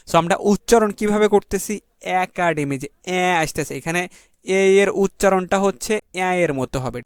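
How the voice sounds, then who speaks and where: A Bangladeshi man teaching an exam revision lesson, with a voice a bit higher than most men's. He spells each word out slowly, letter by letter, stretching the key words. The sound is close and dry, with no room echo.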